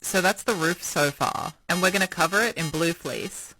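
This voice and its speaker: A woman's voice: on the low side, normal speed, bright, forceful tone, low-quality recording. A woman giving a matter-of-fact, step-by-step voice-over for a craft tutorial. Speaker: craft video creator.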